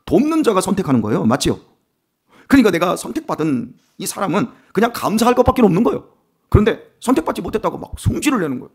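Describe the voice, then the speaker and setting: A male pastor giving an early-morning sermon in a conversational way, asking the congregation questions and moving between quiet asides and emphatic declarations. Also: high-pitched, big pitch swings, fast talker, husky. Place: church sanctuary.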